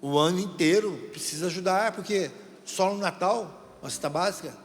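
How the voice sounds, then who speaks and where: A middle-aged deacon with a Brazilian Portuguese accent preaches a sermon, telling stories conversationally and addressing listeners directly. His voice sits high at a moderate pace, recorded in a reverberant hall with faint music.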